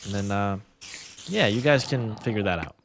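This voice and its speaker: A man's voice: fairly low pitch, expressive, moderate pace, background noise. A young man casually commenting on his gameplay, rambling and joking with viewers. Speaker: gaming creator. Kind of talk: let's play commentary.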